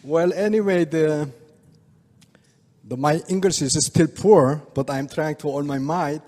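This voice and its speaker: An older Korean man, an oriental medical doctor, gives a presentation to a live audience in halting, broken English, chuckling often. His voice is slightly high and a little mellow, and the hall is reverberant.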